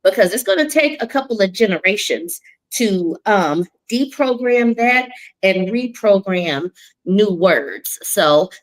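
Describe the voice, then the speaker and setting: A woman in her mid forties co-hosting a casual live chat, talking in a relaxed way with frequent ums and catchy phrases. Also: medium pitch, unhurried, poor audio. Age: 40s. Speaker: co-host.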